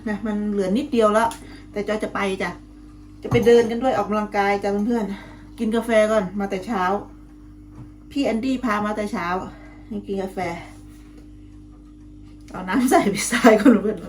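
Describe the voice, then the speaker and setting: A middle-aged woman, a little hoarse from calling, chatting casually to her viewers in a home vlog, friendly and talkative. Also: mid-range voice, steady tone, moderate pace, long pauses, soft background music. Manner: chatty, friendly, ends phrases with soft polite particles. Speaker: vlogger.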